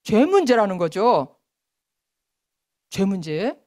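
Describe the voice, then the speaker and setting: A woman's voice: medium pitch, takes it slowly. A woman preacher giving an early morning prayer sermon in a church, often acting out nagging voices of other people as she speaks. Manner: lively, acts out nagging voices in quotes.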